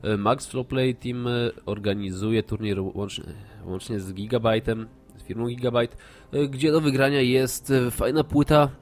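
A man's voice: medium pitch, steady tone, normal speed, a little mellow. A Polish man with a congested, nasal voice from a cold, speaking informally and a little hesitantly as a streamer making announcements to viewers. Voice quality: congested, nasal from a blocked nose. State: has a cold with blocked nose. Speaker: gaming streamer. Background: music.

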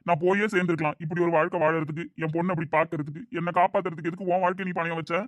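A man's voice: on the high side, flat delivery, rapid-fire, no room sound, natural voice. A man playing a grieving older father. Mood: sorrowful. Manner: earnest, heavy-hearted pleading. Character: grieving aging father, guilt-ridden and tender. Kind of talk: amateur family drama acting. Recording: dull lo-fi sound.

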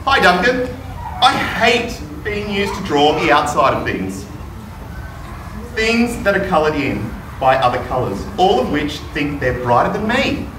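A man's voice: fairly high pitch, sing-song, measured pace, a bit bright. A man voicing a resentful, underappreciated black crayon in a storybook read-aloud, sounding aggrieved. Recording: distant, roomy classroom with noise.

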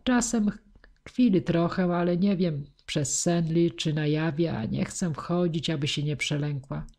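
A woman reads a young knight weighed down by worry, soft and hushed. He speaks gently, as in a storybook reading. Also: low voice, a little slow. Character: grieving young male knight, tender and worried.

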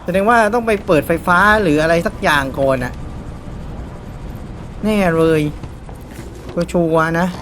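A man's voice: a little high, animated, a little slow, long pauses, fairly bright tone, a little hiss or hum. A man giving casual horror game commentary in a chatty way, nervously talking himself through the scary parts. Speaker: gaming YouTuber.

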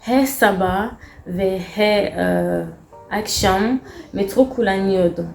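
Young female vlogger, Cameroonian accent, halting broken Turkish of a foreign learner, roomy echo. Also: mid-range voice, vocal fry, darkish tone. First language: not Turkish, a foreign learner. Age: young adult. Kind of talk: casual storytelling to camera. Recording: roomy echo, faint music.

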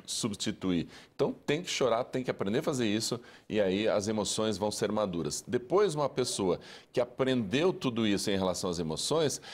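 A man, an educator answering interview questions in a measured, lecturing way. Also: lowish voice, darkish tone. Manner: measured, lecturing, lists steps.

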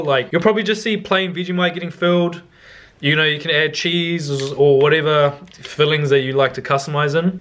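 A man's voice: on the high side, fairly bright tone, a little hiss or hum. A young man giving a casual, slangy cooking demonstration in a laid-back way. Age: young adult. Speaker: cooking vlogger. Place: home kitchen, indoors.

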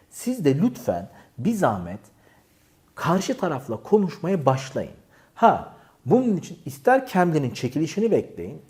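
A man giving lively, teasing self-improvement advice straight to camera, acting out little examples as he goes. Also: a little high. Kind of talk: animated advice monologue.

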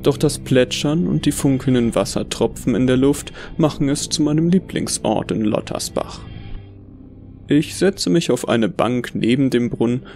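A man narrates a scripted first-person horror tale. His voice has a gravelly fry and a measured, brooding delivery. Music sits underneath. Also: medium pitch, darkish tone.

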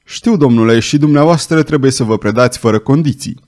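A man's voice: mid-range voice, a little mellow, natural voice. A man voicing a stern male royal officer who speaks curtly.

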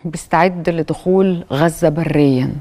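A woman's voice: deep voice, normal speed, dark tone. A woman with an Egyptian accent hosting a TV talk show, commenting on clips with hesitant fillers. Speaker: TV host.

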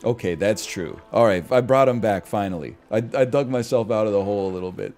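A man in his thirties riffing casually while streaming games, animated and swinging between loud and quiet for comic bits, on a headset mic at home. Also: fairly low pitch, fairly quick, soft background music. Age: 30s. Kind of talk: casual gaming stream chat. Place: small room at home.

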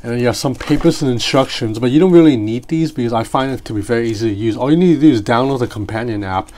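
A man whose first language is Cantonese, reviewing a gadget in a relaxed, chatty way from a tabletop indoors, talking into a separate mic as he demonstrates. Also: medium pitch, fast. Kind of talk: casual product review. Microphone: separate mic near the desk.

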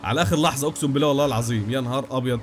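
A young man with an Egyptian Arabic accent giving rapid, animated gameplay commentary with frequent exclamations. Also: medium pitch, slight background noise. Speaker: gaming YouTuber.

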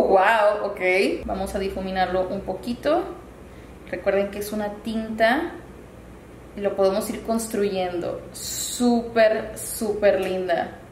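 A woman's voice: mid-range voice, darkish tone. A young woman, reviewing makeup in a chatty, upbeat way. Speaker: beauty vlogger. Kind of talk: casual product review. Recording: echoey room, faint ambient noise.

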